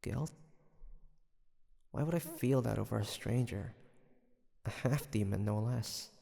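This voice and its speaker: A man playing a guarded young demon hunter in an intimate audio roleplay, hesitant and confiding, with a softer side showing through. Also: medium pitch, a little slow, vocal fry, no echo. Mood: hushed, conflicted.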